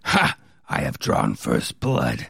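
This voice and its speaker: A man's voice: rumbling low, wildly swooping pitch, slow, fairly bright tone, dry recording, clean studio sound, voice pushed down, full character voice. A man voicing a menacing, boastful vampire baron in a theatrical, threatening growl, as in a dramatic villain reading. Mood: scornful, gloating. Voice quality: gravelly, raspy growl. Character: menacing, boastful vampire baron, proud old-world swordsman.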